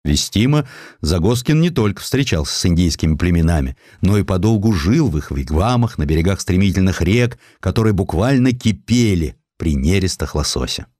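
A man reading scripted historical sketches as an audiobook narrator, in an expressive storytelling manner. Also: sits low, moderate pace, dry recording, clean studio sound.

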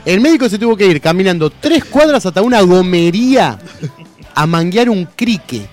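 A young Argentine radio host with a high voice and a Rioplatense Spanish accent tells a funny story at a moderate pace in the studio, soft music playing behind him. He's animated and laughing, using heavy slang.

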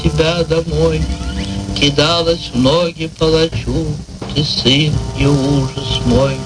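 A solemn male narrator recites literary memoir and verse in a radio play. His voice is fairly high for a man and moves slowly, with measured gravity. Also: flat delivery, music in the background, poor audio.

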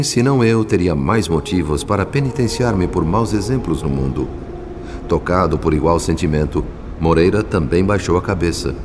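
A man narrating a radio drama as a humble spirit, in a solemn, measured, literary manner. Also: deep voice. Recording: long reverb, music behind.

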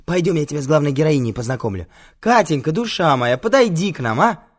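A man voicing an excitable male film director who fawns and gets flustered, in an audiobook reading. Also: mid-range voice, fairly quick, pitched above the performer's own voice, close to an everyday voice. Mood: gushing. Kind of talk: audiobook character voice.

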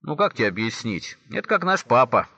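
A man plays a weary wife from a spoken joke, who dryly mocks her husband. The voice is pitched lower and has a bright edge. The recording is dry and lo-fi. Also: very animated, fairly quick, dry recording, heavily acted. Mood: dry mockery. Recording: dull lo-fi recording.

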